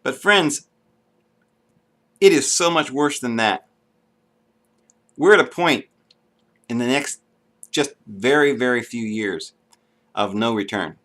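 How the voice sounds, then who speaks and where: A man's voice: mid-range voice, lively intonation, slow, pauses often, pushed and bright. A man giving an unscripted, earnest monologue to camera, with frequent ums and restarts. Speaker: video blogger.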